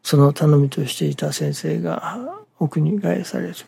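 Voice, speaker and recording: A minister giving a morning sermon in a halting, measured way, breaking phrases with pauses and dropping some words to a near-whisper. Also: mid-range voice, creaky, mellow, slightly rough.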